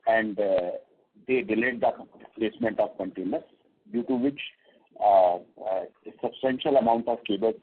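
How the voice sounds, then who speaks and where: A man with an Indian accent giving company commentary and answers on an earnings call, halting and repeating words. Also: on the low side, gravelly, breathy edge. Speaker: company executive. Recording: muffled, tinny conference phone line.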